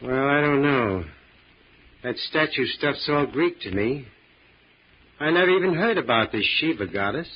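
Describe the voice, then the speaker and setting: An actor playing a hard-nosed, shrewd gambling club boss in 1940s radio drama style, with tough slangy talk and a coolly threatening edge. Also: male voice, mid-range voice, lively intonation, measured pace, long pauses, husky. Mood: shrewd, wary. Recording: muffled vintage radio recording.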